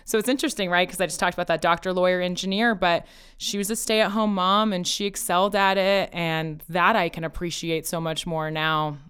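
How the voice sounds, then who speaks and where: A woman's voice: fairly low pitch, fairly even intonation, brisk, fairly bright tone, clear, resonant tone. A woman whose first language is Farsi, a family lawyer talking casually as an interview guest, laughing easily and quoting her parents. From Colorado, USA.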